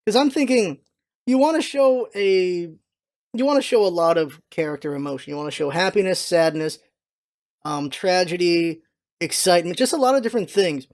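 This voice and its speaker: A man's voice: sits high, moderate pace. A man giving a casual, rambling channel update as a vlogger, informal and thinking aloud as he goes. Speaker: video creator and streamer, channel host.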